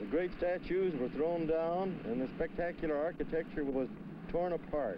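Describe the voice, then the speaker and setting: Moderate pace, with a dry, echo-free sound and noticeable background noise. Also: man. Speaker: anthropologist professor. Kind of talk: explanatory documentary commentary, lecture-like.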